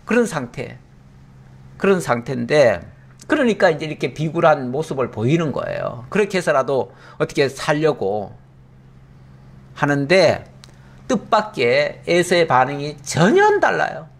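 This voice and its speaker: Animated high-voiced male pastor. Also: unhurried, gravelly. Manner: animated storytelling, acts out the characters' lines. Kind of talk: sermon, Bible exposition.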